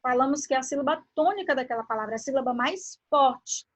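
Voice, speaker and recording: A woman teacher from Brazil, giving a grammar lesson. She draws words out slowly and asks the class questions as she explains. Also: high voice, expressive. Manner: slow, drawn-out word pronunciation with questions to the class.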